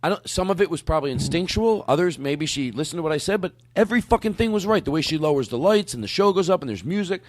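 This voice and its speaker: A man hosting a comedy podcast, loud and laughing, swearing as he banters with guests. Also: fairly high pitch, animated, fast talker, hardly any pauses, no echo. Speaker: host.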